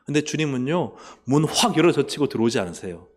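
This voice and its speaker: A fast-talking, expressive man pastors from the pulpit of a church sanctuary. He throws questions at the congregation and answers them, alternating between loud appeals and soft, low asides.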